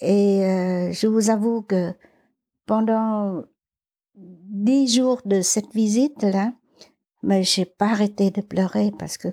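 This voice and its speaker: In a very clean recording with a silent background, a woman with a dark, mellow tone speaks very slowly at a medium pitch and with fairly even intonation. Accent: Vietnamese. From Vietnam. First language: Vietnamese (speaking French). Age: 70s. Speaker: activist, war veteran. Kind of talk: interview testimony. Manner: halting.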